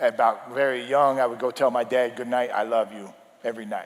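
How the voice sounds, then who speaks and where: Against noticeable background noise, a man with an American accent talks at a fairly quick pace and medium pitch. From Colorado. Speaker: former pro football player. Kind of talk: testimony.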